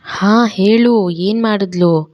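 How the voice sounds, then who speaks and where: A woman's voice: mid-range voice, slow, dull audio, pitched above the performer's own voice, close to an everyday voice. A woman voicing a hot-tempered but caring young man in an audio story. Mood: worried. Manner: sharp when angry, softening into concern.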